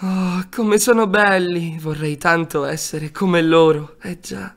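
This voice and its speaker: A woman's voice: fairly low pitch, steady tone, slow, soft background music. A woman voicing a lonely, wistful young duckling in a children's cartoon fairy tale, innocent and plaintive. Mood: wistful wonder.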